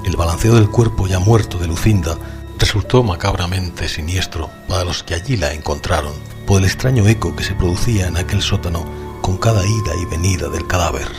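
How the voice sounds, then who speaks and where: An actor playing a grave narrator reading out a grim report in a horror audio drama. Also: male voice, low voice, brisk. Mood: grave, macabre. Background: music.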